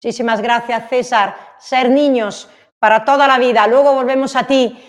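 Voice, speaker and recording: Very high-pitched woman hosting an interview. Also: steady tone, moderate pace. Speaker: host, interviewer. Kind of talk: hosting a virtual awards event.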